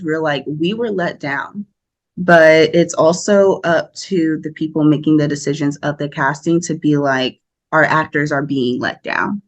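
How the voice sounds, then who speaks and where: A young woman from the United States, an actor guesting on a podcast, talking casually and animatedly with frequent laughs and fillers. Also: deep voice. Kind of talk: casual interview chat.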